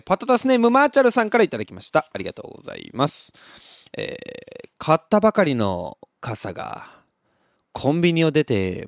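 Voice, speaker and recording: A young man with a lilt chats his way through listener mail, his voice rising and falling in lively swings. He laughs easily and tosses in playful sound effects as he tells stories. The sound is dry and close, with no room around it. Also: mid-range voice, gravelly, dry recording. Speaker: podcast host reading listener messages. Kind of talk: casual chat.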